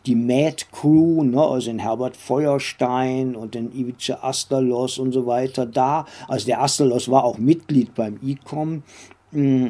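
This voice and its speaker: An older man recounting memories in an interview, speaking haltingly with many drawn-out hesitations and little tag questions. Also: mid-range voice, steady tone, warm tone. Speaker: interview guest, former comics editor and publisher.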